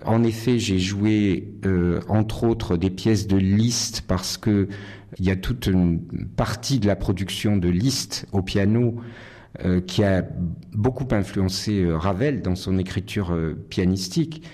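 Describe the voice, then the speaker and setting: A middle-aged man from Nice, a concert pianist, answering interview questions thoughtfully with many pauses and restarts. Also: low-pitched, mellow. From Nice, France.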